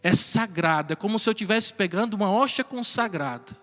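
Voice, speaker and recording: A man's voice: sits high, brisk. A man, a priest giving a homily at Mass and telling a personal story earnestly, chuckling now and then. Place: church. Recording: reverberant church with soft music.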